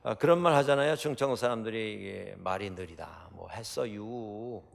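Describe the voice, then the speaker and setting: His voice is lowish and a bit fast, with lively intonation and vocal fry: a middle-aged pastor from Chungcheong, South Korea, preaching a story-driven sermon thick with fillers and rhetorical questions. The sanctuary setting leaves hall reverb on the audio.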